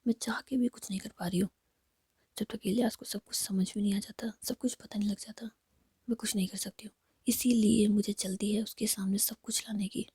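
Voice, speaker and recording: A woman whispering the lines of an anxious young woman, pleading and hushed. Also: medium pitch, steady tone, fairly quick, breathy edge, no room sound. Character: anxious young woman torn between two people.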